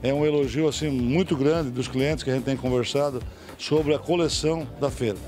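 Brief: man, 50s, steady confident answers, light music bed. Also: medium pitch, moderate pace. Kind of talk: interview. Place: trade show hall. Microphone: handheld mics. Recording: faint music under speech.

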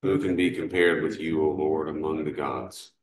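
A man leading morning prayer as a priest, reciting psalms, canticles and the creed in a measured, steady way, recorded from a distance in a large cathedral. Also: extremely low pitch, a crowd in the background. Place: large cathedral sanctuary, indoors. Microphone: far camera. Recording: echoey cathedral room sound.

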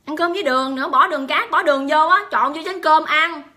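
A woman's voice: sits high, quick pace, bright, forceful tone. A woman talking straight to her viewers. She keeps exclaiming and firing rhetorical questions at them. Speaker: vlogger addressing viewers. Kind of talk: emphatic monologue to camera.

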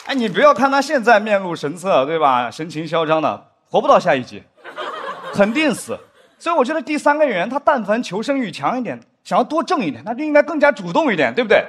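A young adult man performing a stand-up comedy set on a studio stage, animated, now and then acting out stiff drama lines in a lower voice. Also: fast talker, a little hiss or hum. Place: studio stage with live audience. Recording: studio stage with audience laughter. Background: audience laughter.

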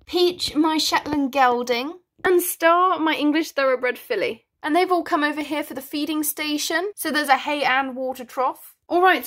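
A woman's voice: high voice, fairly bright tone. A woman from the United Kingdom narrating a casual tour of her toy horse barn, chatty with self-deprecating asides.

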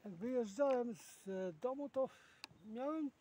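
A man's voice: very high voice, measured pace, mellow. Man muttering outdoors, distant and noisy. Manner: rambling, talks to himself in short fragments. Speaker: fishing vlogger. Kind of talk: casual muttering to himself while fishing. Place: outdoors at a fishing spot, windy. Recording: noisy outdoor recording, far from the mic.

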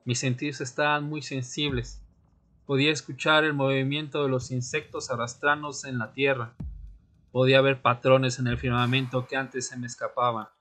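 Male actor as haunted vampire, medium-high male pitch, solemn, deliberate, dramatic radio drama narration, faint music bed. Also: little pitch movement, fairly bright tone, close to an everyday voice. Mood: grave, desperate. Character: Fernando, tormented newly turned male vampire recounting his death. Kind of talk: dramatic first-person audio drama narration.

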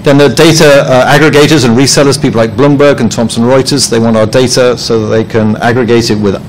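Quick-paced and steady in tone, this medium-pitched conference presenter, a head of publishing, keeps restarting and saying um while slipping in dry, self-deprecating humor. The rough recording from the conference room has a little hiss or hum.

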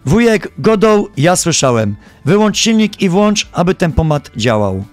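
A man streaming live, giving gameplay commentary in an animated, joking and playfully exasperated way. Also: high-pitched, a little slow, soft background music.

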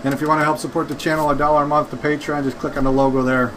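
A man's voice: fairly high pitch, little pitch movement, very fast, a bit bright, slight background noise, low-quality recording. A man in his fifties giving an informal, plain-spoken how-to explanation to camera as a video host. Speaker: YouTube host showing workshop tips. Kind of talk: casual explanatory tutorial to camera. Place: indoor home workshop.

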